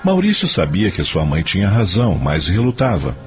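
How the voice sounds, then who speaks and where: A man's voice: deep voice, wildly swooping pitch, moderate pace, faint music behind. A man acting as the grave storyteller of a moral radio drama, narrating from a script with a Brazilian accent.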